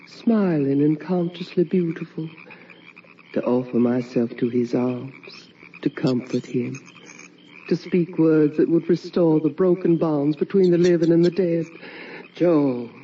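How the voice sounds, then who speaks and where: An actress playing the mournful, tender ghost of a wife and mother in a theatrical, hushed radio drama monologue. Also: sits low, husky, exaggerated voice. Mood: hopeful, longing. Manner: slow, hushed, theatrical delivery. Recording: muffled old radio recording, distant mic.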